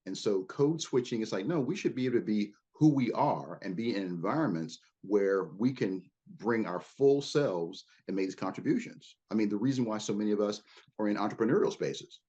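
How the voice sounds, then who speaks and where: Guy on a podcast, kinda husky low voice, earnest, repeats himself a lot, slightly dull audio. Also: expressive, a little fast, mellow. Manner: earnest, repeats words while building a point. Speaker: guest, leadership consultant. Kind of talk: conversational podcast interview.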